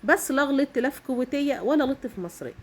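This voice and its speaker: Fast-talking Egyptian woman with a cold. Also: sits high, lively intonation. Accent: Egyptian Arabic. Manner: emphatic, keeps checking in with "okay?". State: has a cold, coughing. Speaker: vlogger. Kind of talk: casual direct-to-camera monologue.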